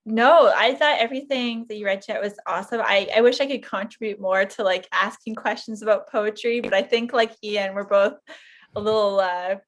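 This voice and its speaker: A woman's voice: mid-range voice, moderate pace. A woman with a Canadian accent chatting casually as a podcast co-host. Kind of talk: casual chat.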